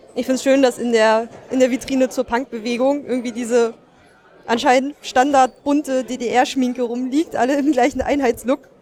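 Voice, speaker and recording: Crowd noise fills the background as a woman speaks at a moderate pace and a high pitch. Her intonation is monotone and flat. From northern East Germany. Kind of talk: casual chat. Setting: walking through a museum.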